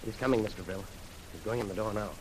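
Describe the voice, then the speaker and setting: A man playing a brisk, level-headed defender. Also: lowish voice, fairly even intonation, natural voice, poor audio. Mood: tense. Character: steady practical young male defender with a gun. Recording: hissy 1930s radio recording.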